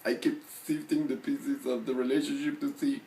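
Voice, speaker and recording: A man performing a monologue as a neurotic, self-deprecating, lovelorn forty-year-old who rambles haltingly. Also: medium pitch, flat delivery, warm tone, close to an everyday voice. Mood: heartbroken, bewildered. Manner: halting, rambling, full of fillers and restarts. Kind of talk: dramatic film monologue acting. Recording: roomy echo with faint background noise.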